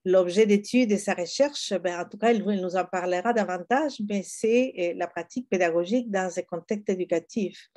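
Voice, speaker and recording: Woman moderator, mellow voice, formal introduction, fluent with fillers, video call. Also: mid-range voice, brisk, few pauses. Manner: fluent with frequent fillers and restarts.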